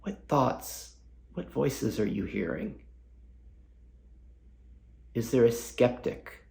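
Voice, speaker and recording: A man leading a guided meditation, talking slowly and softly, pausing often and asking gentle questions. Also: mid-range voice, lively intonation, gravelly, reverberant. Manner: slow, soft and unhurried, full of pauses and gentle questions. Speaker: meditation teacher.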